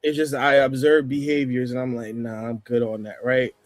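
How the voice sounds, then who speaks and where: A man with a New York accent talking casually on a livestream panel, rambling, with restarts and throat clearing. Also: mid-range voice, level tone, normal speed, dry recording, studio quality. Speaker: panel guest.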